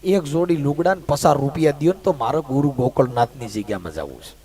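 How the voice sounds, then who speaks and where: A man voicing a poor, humble old devotee, in a soft, pleading, lowered voice. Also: animated, brisk. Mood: aggrieved.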